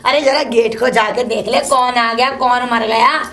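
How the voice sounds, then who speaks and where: Woman doing a nagging old mother-in-law, high-pitched, complaining nonstop. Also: steady tone, unhurried, fairly bright tone. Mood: scolding. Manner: shrill, cursing, complaining nonstop. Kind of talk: solo comedy sketch.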